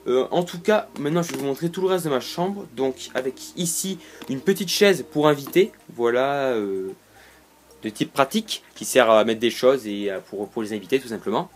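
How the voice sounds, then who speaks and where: A man's voice: mid-range voice, animated, normal speed, faint music behind. Rambling young man giving a room tour. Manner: rambling with many fillers and restarts, jokey. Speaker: YouTuber. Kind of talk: casual room tour vlog. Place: bedroom. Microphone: camera on tripod.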